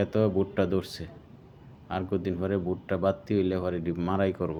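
A man speaks in a Mymensingh accent with a very deep, low pitch, a dark, mellow tone and monotone, flat intonation. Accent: Mymensingh regional dialect. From Bangladesh, Mymensingh region. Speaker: village vlogger. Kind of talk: walking tour vlog narration. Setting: outdoors in village fields.

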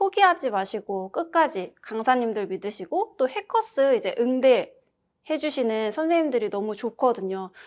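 Her pitch is high and swings very widely. The woman is heard on a very clean recording with a silent background. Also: moderate pace. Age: 30s. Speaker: exam passer giving testimonial. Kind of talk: testimony.

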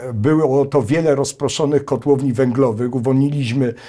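Over a quiet background, a man talks at a moderate pace and medium pitch in a dark, mellow, flat monotone. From Poland, Tarnów (Lesser Poland); Poland. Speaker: mayoral candidate; candidate. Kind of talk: interview. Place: studio. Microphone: lapel.

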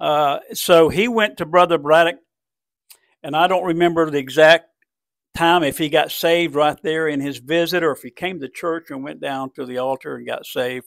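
In a very clean recording with a silent background and a dry, close sound with no echo, a man with a normal speaking voice talks at a fairly high pitch and moderate pace, with fairly even intonation and big swings in loudness. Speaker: church member. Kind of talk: testimony.

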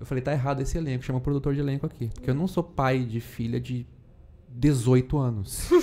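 Here a man speaks at a fairly quick pace. His tone is dark and mellow, and his intonation stays fairly even. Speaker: actor and podcast co-owner. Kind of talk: casual chat. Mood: joking, amused storytelling. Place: studio. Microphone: studio mic.

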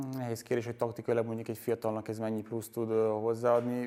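Very fast and in a monotone, flat intonation, a man speaks with a dark, mellow tone. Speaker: former footballer; podcast guest. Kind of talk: panel discussion. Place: studio. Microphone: lapel.

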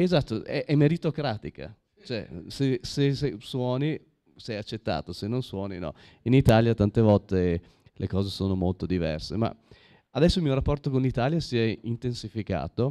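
Against a quiet background, a man speaks in a dark, mellow tone with very wide pitch swings. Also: moderate pace. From Italy. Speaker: jazz guitarist and producer; guest. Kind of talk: panel discussion. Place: hall. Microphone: handheld.

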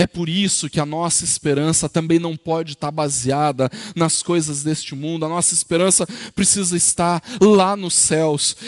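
A man's fairly high voice with ordinary pitch variation, a moderate pace and a warm tone, against a quiet background. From Brazil. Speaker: Presbyterian pastor. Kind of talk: sermon, preaching with prayer and scripture reading. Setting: church with congregation. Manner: earnest, warm, exhortative; rhetorical questions to the congregation, addressing them as dear ones. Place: church. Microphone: headset.

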